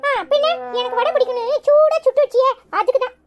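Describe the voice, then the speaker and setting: A woman's voice: very high voice, fairly even intonation, fast talker, lo-fi sound, voice pushed up. A woman voicing a playful little village girl in a cartoon, with a Tirunelveli Tamil accent and sing-song chatter. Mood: chirpy. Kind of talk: cartoon voice acting.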